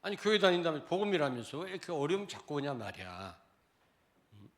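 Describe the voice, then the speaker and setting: Animated Korean preacher, loud then hushed. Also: male voice, a little high, fairly quick. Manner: conversational preaching, swings from loud outbursts to murmured asides. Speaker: pastor. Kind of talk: sermon. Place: church sanctuary.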